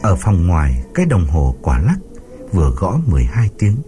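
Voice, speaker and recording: A man's voice: deep voice, very animated, moderate pace. A man narrating a ghost story in a suspenseful, dramatic audiobook style, over background music.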